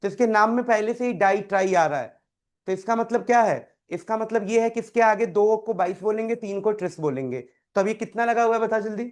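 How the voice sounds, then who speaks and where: A man's voice: high-pitched, fairly quick. A man teaching a chemistry class, quizzing students by name and repeating key terms. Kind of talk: live classroom tutoring.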